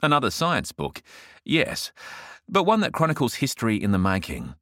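A man reading a feature article aloud in a measured, expressive way. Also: medium pitch, no echo, clean studio sound. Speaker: article reader.

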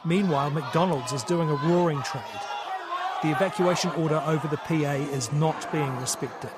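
A man filming a street protest on his phone, giving dry, wry commentary as things happen. His voice sits a little high, and loud crowd noise and city ambience fill the background of the phone recording. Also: moderate pace. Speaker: reporter on the ground. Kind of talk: live commentary on phone video. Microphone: phone camera. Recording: phone video in a noisy crowd.

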